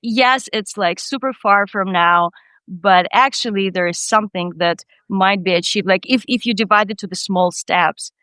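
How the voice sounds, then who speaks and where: A woman's voice: medium pitch, moderate pace, pushed and bright, clear, resonant tone, no room sound. A Ukrainian woman with a Ukrainian accent, a startup CEO being interviewed on a podcast, talking earnestly and dreamily with frequent restarts. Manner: earnest, dreamy, many restarts, light non-native grammar.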